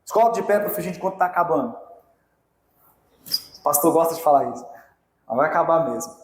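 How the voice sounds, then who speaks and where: A Brazilian pastor in his thirties preaches with passion, calling out directly to the men and women in the pews. His voice sits high for a man. It rings with the echo of a church hall. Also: expressive, fast. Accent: Brazilian Portuguese. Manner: impassioned preaching, direct appeals to the congregation. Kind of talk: sermon. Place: church sanctuary.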